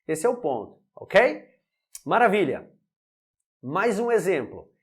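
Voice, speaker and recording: A man's voice: high voice, very animated, takes it slowly. A man with a Brazilian Portuguese accent teaching an English lesson, repeating example sentences and checking in often. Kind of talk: online language lesson.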